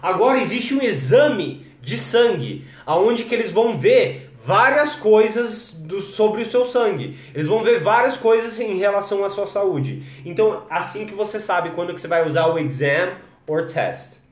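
A Brazilian man teaching English on a live stream, relaxed and chatty, greeting viewers by name and modeling pronunciations slowly. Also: high voice. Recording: echoey room.

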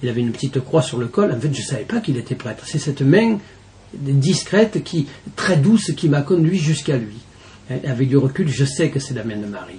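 A man's voice: medium pitch, very animated, mellow, slight background noise. Earnest French deacon telling his testimony. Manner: earnest, halting, with many restarts and fillers. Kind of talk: personal testimony in an interview.

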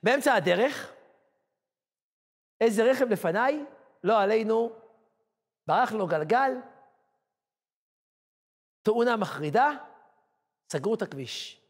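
A rabbi, a man with a fairly high voice, tells a sermon story in short, dramatic bursts. His voice rings out with a long hall reverb. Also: expressive, long pauses. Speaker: rabbi and lecturer.

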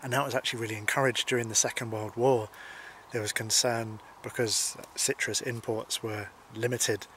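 A man in his forties from Scotland, calmly explaining wild plants as a foraging instructor, speaking to camera outdoors by hedges. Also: medium pitch. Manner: calm, explanatory, unhurried. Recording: faint outdoor noise.

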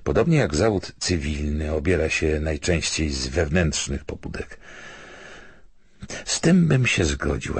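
Man reading as reflective male stranger, audiobook, measured, argumentative, gravelly, dry close sound. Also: a bass voice, no room sound, exaggerated voice. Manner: thoughtful, hesitant, argumentative.

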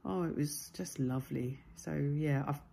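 Low, congested woman vlogging chattily. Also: unhurried, creaky, a little hiss or hum. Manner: chatty, chirpy and warm. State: congested, bunged-up nose. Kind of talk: casual daily vlog chat. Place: home and car, indoors. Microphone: phone camera at arm's length.

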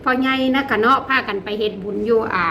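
A woman's voice: a little high, fast, pushed and bright. Chatty Isan-accented woman vlogger. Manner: chatty, addresses viewers as family, laughs often. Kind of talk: casual vlog narration. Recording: roomy with faint background noise.

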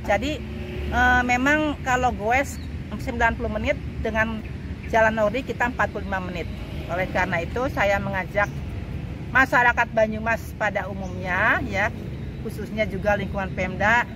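A woman's voice: medium pitch, moderate pace. Middle-aged woman speaking outdoors, noisy. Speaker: community club chairwoman. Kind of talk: informal on-camera interview statement. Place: open paved yard outdoors. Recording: outdoor ambient and traffic noise.

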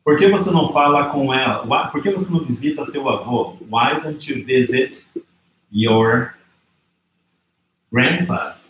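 A Brazilian man teaching an English lesson in Portuguese, slowing down to model English phrases. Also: mid-range voice, fairly bright tone, echoey room, slight background noise, rough recording. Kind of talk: live online English lesson.

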